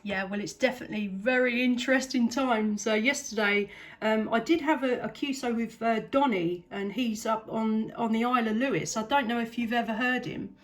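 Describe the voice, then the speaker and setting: A woman with a fairly high voice hosts a casual radio contact. She talks like a keen CB operator, enthusiastic and appreciative. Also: fairly even intonation, fairly quick. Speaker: CB radio operator, channel host.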